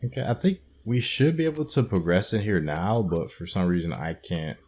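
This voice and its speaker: Low-voiced man musing through a game. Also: animated, normal speed, darkish tone, husky. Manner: thinking aloud, musing and hesitant. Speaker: gaming channel host. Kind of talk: casual video game playthrough commentary.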